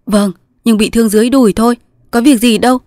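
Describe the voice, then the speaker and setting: A woman voicing a young male resistance soldier, pleading in loud sobbing outbursts in a storybook reading. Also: on the high side, fairly even intonation, fast, no room sound, studio quality, pitched above the performer's own voice, close to an everyday voice. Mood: grieving.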